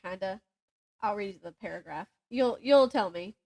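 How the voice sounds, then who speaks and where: A young woman co-hosting a podcast chats casually about books, reading synopses aloud, giggling, and being a little self-deprecating. Her mid-range voice has a dark tone, vocal fry, and lively intonation at a normal speed.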